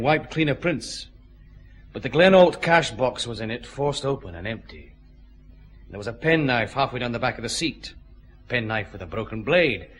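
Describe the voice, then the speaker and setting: An actor playing a firm, methodical police chief inspector, questioning a suspect in a vintage radio drama. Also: male voice, mid-range voice, fairly bright tone, lightly acted. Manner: brisk, methodical, dry authority.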